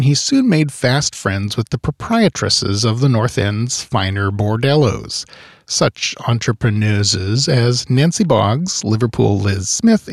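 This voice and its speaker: A man's voice: medium pitch, gravelly, no room sound. A man telling a local history tale in scripted narration, with wry, dry humorous asides. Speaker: history podcast host.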